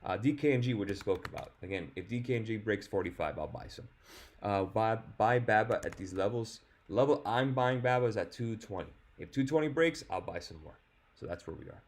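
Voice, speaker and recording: A man hosting a casual market commentary stream, answering viewer questions in a relaxed, offhand way, his voice a bit hoarse from a sore throat. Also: fairly low pitch, brisk. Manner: relaxed, chatty and offhand, with fillers. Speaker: stock market show host. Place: hotel or temporary spot, away from home.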